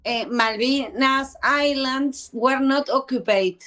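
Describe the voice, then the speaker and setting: A woman's voice: high voice, slow pace, pushed and bright. A woman from Argentina with an Argentine accent, chatting bluntly and teasingly with a stranger on a video call. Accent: Argentine Spanish. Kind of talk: casual video chat.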